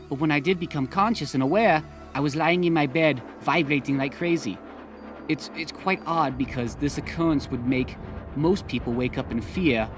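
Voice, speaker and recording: A man in his thirties with a Singaporean accent, calmly recounting a personal experience as a guest. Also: medium pitch. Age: 30s. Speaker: guest storyteller.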